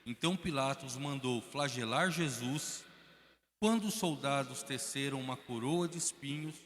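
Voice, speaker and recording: A Brazilian man narrating a liturgical Passion reading in an even, measured way in a large church. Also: mid-range voice. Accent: Brazilian Portuguese. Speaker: narrator reader. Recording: long church reverb.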